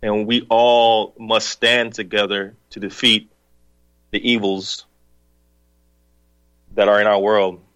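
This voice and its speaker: A man hosting a call-in radio talk show, speaking in a measured, reflective way while feeling ill. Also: on the low side, level tone, a bit bright, clean tone, no echo, muffled recording. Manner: measured, reflective, hums along with the caller.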